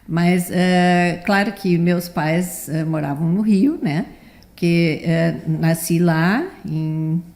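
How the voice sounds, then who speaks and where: As a relaxed interview guest, a theatre director in her seventies, born in Rio de Janeiro and raised in southern Brazil, rambles chattily through stories of her childhood, sprinkling in frequent "né" tags. Her voice is on the low side and a little mellow, and she takes it slowly.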